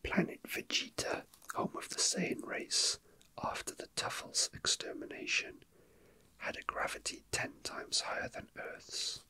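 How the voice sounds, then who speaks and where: Someone whispering breathily and unhurriedly, murmuring casually to themselves in an ASMR style, close to the microphone. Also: low-quality recording. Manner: soft, unhurried, murmuring to self. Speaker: toy unboxing video host.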